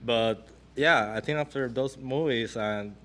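A man from Rico, a bass player chatting in an interview in an easygoing way with many pauses and fillers. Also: a bit bright, a little hiss or hum. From Puerto Rico. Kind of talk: casual interview chat.

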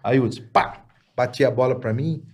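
A man's voice: mid-range voice, moderate pace, slightly rough. A Brazilian-accented man, a singer, telling funny stories in a casual chat, laughing and acting out the people in them. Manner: animated, laughing, acts out the people in his stories. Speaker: singer and guest.

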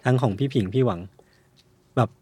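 A man puts questions to guests as a podcast host in casual conversation. His pitch is medium and the recording is dry. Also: normal speed, warm tone, slightly rough, dry recording. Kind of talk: casual bilingual chat.

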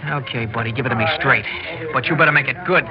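A man playing an eager, fast-talking young street hood with pushy, slangy tough-guy talk in a 1960s radio drama. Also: medium pitch, lightly acted. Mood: scornful, tough. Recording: dull old radio recording with music.

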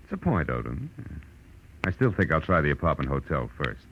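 A man's voice: rumbling low, big pitch swings, a little fast, lo-fi sound, heavy background noise, exaggerated voice. A man playing a tough, wry private detective in 1940s radio drama style, with clipped, slangy delivery. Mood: businesslike. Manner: clipped, slangy, hard-boiled. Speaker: actor playing the lead and narrating. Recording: old radio recording with music.

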